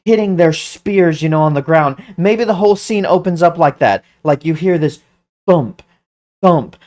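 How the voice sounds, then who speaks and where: An online commentator giving excited, casual commentary, stumbling over and restarting words, and humming tunes aloud. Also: mid-range voice, normal speed. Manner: animated, hums music aloud.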